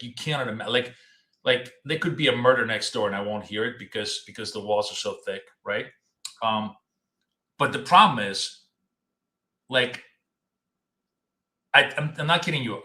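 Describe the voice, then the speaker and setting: A man's voice: mid-range voice, pushed and bright, echoey room. Chatty man streaming live from his home office. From United States. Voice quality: talkative, repeats himself, loose and chatty. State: losing his voice, coughing. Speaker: trading show host. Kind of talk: live trading stream chat. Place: home office in a city apartment.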